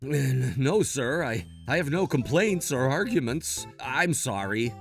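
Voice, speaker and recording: An actor voicing a meek, polite young office worker who apologizes a lot. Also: male voice, mid-range voice, lively intonation, unhurried, creaky, soft background music.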